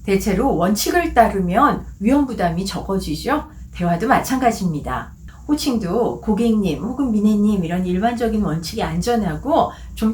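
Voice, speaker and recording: A woman hosting a book channel, giving a calm, clearly articulated talk on conversation tips from her office. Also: medium pitch. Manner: calm, clearly articulated, acts out short quoted lines. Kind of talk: scripted explanatory talk.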